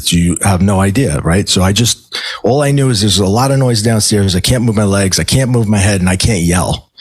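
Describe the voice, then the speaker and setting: A middle-aged man speaks as a podcast guest, recounting a personal experience in a halting flow that doubles back on words and restarts sentences. His voice sits low and sounds a little husky. The recording is dry and close, with no room sound around him. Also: dry recording. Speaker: podcast guest, medium and life coach. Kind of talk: telling a personal story in conversation.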